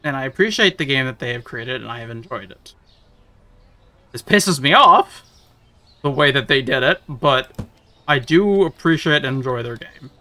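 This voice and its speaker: A man streaming a game, talking casually with chat and breaking into loud playful rants. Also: medium pitch, expressive, brisk. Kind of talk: casual live-stream chat while gaming.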